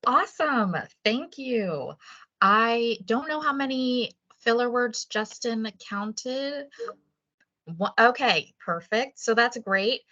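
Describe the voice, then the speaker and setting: A woman's voice: fairly high pitch, slow, sharp tone, dull audio. A woman hosting an online meeting, chatting casually and encouragingly over a video call. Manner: upbeat and encouraging. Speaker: meeting host.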